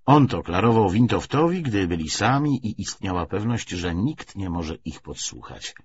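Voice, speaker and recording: A man's voice: deep voice, very animated, normal speed, lo-fi sound, a little hiss or hum. A man narrating a literary audiobook from a script.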